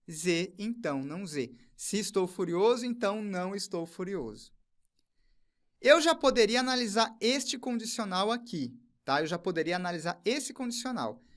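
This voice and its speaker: Higher-voiced methodical male teacher. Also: a bit bright. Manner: methodical, repeats each step slowly. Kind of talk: recorded online lesson, explaining on screen.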